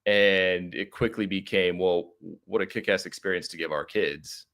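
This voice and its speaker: A man's voice: low-pitched, normal speed, fairly bright tone. A middle-aged American man telling his story casually as a podcast guest, talkative and a little rambling. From United States (Arizona).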